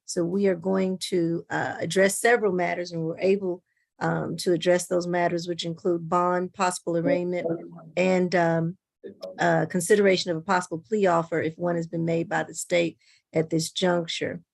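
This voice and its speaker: A woman judge giving formal, measured procedural explanations to open a court hearing. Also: on the low side, level tone, vocal fry. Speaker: judge presiding over a court calendar. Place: remote court hearing on video call.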